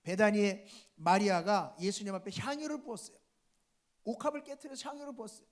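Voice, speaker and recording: A man's voice: high-pitched, a little fast. A male pastor preaching a sermon, appealing to the congregation again and again. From South Korea.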